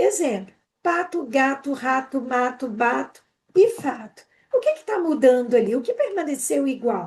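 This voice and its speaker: Her voice is high-pitched, with very wide pitch swings. The woman speaks at a fairly slow pace. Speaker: teacher trainer. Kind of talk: live webinar presentation. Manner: animated.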